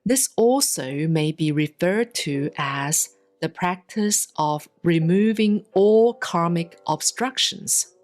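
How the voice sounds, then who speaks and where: Slow, low-voiced woman reading scripture. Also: expressive. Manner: measured, deliberate phrasing with pauses. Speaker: Buddhist monastic reading scripture. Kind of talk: solemn scripted sutra recitation, audiobook-like reading. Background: soft plucked guitar-like music.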